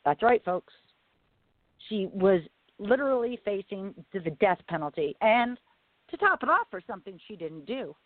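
A woman hosting a live talk radio show in a low, raspy voice, speaking deliberately and leaning on phrases for emphasis. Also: big pitch swings, no echo. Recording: tinny phone-line radio audio.

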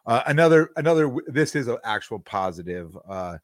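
A man's voice: mid-range voice, big pitch swings, a little fast, dry recording. A middle-aged man co-hosting a podcast, telling long casual stories with lots of false starts and restarts. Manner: rambling storyteller with many restarts. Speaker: podcast co-host.

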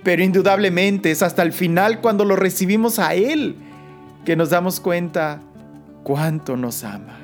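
A woman leading a Christian prayer meditation in the soothing, unhurried manner of a sleep story narrator, pausing between short phrases. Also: lowish voice. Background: music.

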